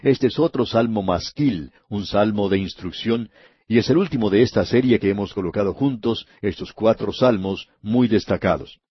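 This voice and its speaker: A man with a lowish, husky voice gives a radio Bible lesson. He speaks in a measured, emphatic way and draws out key words for weight. The recording is dry and a little dull, like an older broadcast. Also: no echo. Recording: dull, slightly lo-fi broadcast audio.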